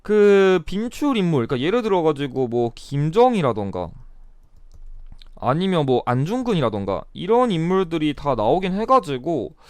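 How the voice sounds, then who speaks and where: Lively blunt young male tutor. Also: a little high, moderate pace, smooth, no room sound. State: recovering from a cold. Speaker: history exam tutor. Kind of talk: casual exam review lecture.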